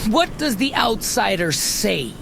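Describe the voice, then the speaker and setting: A woman's voice: mid-range voice, sing-song, takes it slowly, gravelly, background noise, exaggerated voice. A woman voicing a fierce, suspicious, impatient tribal warrior in a fantasy audio drama, curt and snarling.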